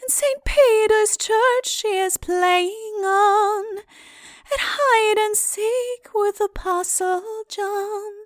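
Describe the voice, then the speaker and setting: A woman's voice: very high-pitched, drawn-out words, no echo, clean studio sound, soft background music, exaggerated voice. A woman playing a bereaved ghost lady in a storybook ballad, singing a plaintive, wailing lament. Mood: wistful. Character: weeping ghost lady, bereaved young mother, wan and wistful. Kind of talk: slow sung lament.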